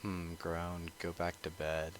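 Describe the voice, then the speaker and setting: A man reading a visual novel aloud with casual asides, often stumbling, repeating phrases and clearing his throat. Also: low-pitched, completely flat delivery, takes it slowly, a little hiss or hum. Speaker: let's player reading a game aloud. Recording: loud music over the voice. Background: loud game music.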